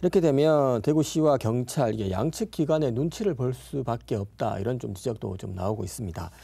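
A man's dark, mellow voice with very wide pitch swings. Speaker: journalist. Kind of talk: news discussion. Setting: studio. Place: studio.

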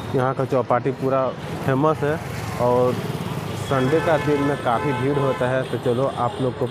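Loud background noise sits behind the voice. A man speaks at a very slow pace. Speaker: vlogger. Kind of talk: casual vlog chat. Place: street. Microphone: phone near.

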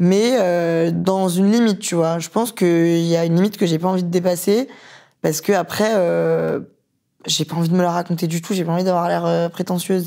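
In a quiet background, the voice has a dark, mellow tone and moves at a moderate pace. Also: woman, fairly low pitch for a woman. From France, countryside near Lyon. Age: 20s. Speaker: YouTuber. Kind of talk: casual interview chat. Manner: animated. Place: studio.

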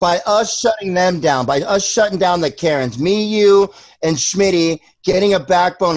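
Lively intonation from a man with a high pitch, at a moderate pace over a quiet background. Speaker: former pro skateboarder; podcast guest. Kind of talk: casual chat. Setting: video call. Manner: animated. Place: home room. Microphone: video call.

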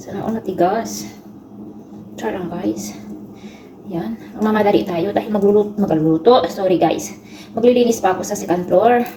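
Over noticeable background noise, a woman with a medium pitch speaks at a moderate pace with lively intonation and long, frequent pauses. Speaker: domestic helper vlogger. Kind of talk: casual vlog narration. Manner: chatty, frequent laughter.

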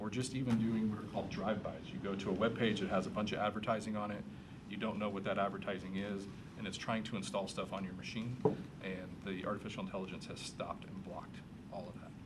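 Audible room echo surrounds a man who speaks at a very fast pace with fairly even intonation. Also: fairly low pitch for a man. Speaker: city IT director presenting to council. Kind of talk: council meeting presentation.

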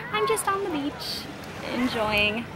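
A woman's voice comes through dry with no echo, despite loud background noise. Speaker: travel vlogger. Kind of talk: casual vlog chat. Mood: relaxed, cheerful. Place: beach. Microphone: phone near.

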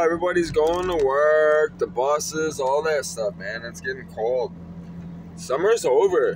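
A man speaks at a fairly slow pace in a dry sound with no echo, with noticeable background noise behind him. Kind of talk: casual vlog chat. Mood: restless, somewhat worried. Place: car. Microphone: phone near.

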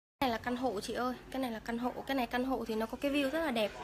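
A woman's fairly even voice over noticeable background noise. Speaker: vlogger viewing apartments. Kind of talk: casual vlog chat. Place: home room. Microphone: phone near.

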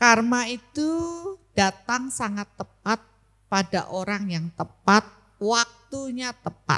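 Speaking very slowly with ordinary pitch variation, a woman has a bright, sharp tone over a quiet background. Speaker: spiritual teacher. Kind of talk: talk show teaching. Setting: stage with audience. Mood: warm, smiling. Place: stage. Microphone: handheld.

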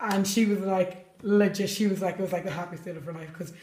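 In a room with audible echo, a woman talks very fast in a monotone, flat way. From Ireland. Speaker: storyteller spinning a tall tale. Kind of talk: casual conversation. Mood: playful, mock-serious. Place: home room. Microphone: phone near.

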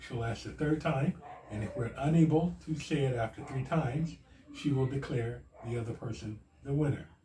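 Against light background noise and audible room echo, a man speaks at a moderate pace with ordinary pitch variation. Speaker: vlogger. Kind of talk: casual vlog chat. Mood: happy, grateful. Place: home room.

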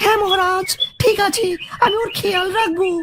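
This cartoonish character voice is squeaky and extremely high-pitched, moving at a moderate pace. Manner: lively, teasing.

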